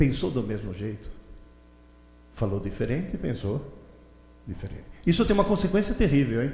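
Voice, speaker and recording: Amid audible room echo, a man at medium pitch talks at a moderate pace with very wide pitch swings and long, frequent pauses. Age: 70s. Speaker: teacher and lecturer. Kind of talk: lecture. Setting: stage with audience. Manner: animated.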